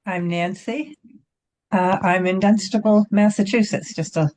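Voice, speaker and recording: A woman's voice: medium pitch, fairly even intonation, a little slow, darkish tone, slight background noise. A woman briefly introducing herself on a video call in a plain, straightforward way. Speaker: participant.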